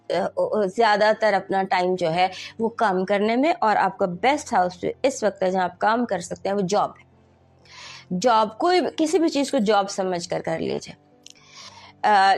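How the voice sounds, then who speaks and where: A woman astrologer with a Pakistani Urdu accent, giving a weekly horoscope in a relaxed conversational way, slipping into English phrases and pausing to hesitate. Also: lowish voice.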